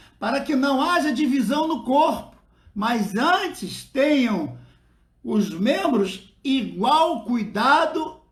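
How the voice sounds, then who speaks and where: A man's extremely high pitch and lively intonation, with audible room echo. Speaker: pastor and theology teacher. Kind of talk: bible study lecture. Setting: seated, filmed alone.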